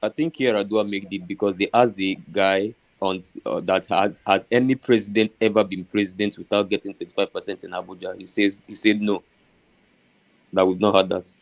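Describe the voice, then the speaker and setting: Low-voiced Nigerian man. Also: steady tone, brisk, poor audio. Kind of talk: casual group discussion.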